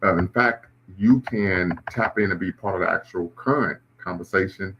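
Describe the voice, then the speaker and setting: A man's voice: low voice, normal speed, highs cut off, a little hiss or hum. A man hosting a live stream, reacting to clips and chat comments in a conversational way. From Ohio, US. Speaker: host.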